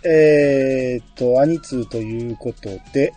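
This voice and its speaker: A man hosting a casual podcast, reading listener mail aloud with a relaxed, teasing manner. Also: mid-range voice, takes it slowly, soft background music. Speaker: podcast host.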